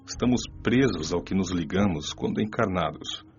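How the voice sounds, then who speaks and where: An actor with a Brazilian Portuguese accent playing a wise spirit doctor who teaches in a calm, paternal way. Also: male voice, sits low, normal speed, faint music behind. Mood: gentle. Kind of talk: radio drama dialogue. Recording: dull lo-fi audio.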